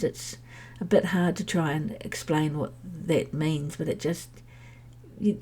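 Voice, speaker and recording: Low, husky woman with a head cold. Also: warm tone. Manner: candid, chatty, meandering. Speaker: podcast host sharing her health journey. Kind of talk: personal podcast monologue.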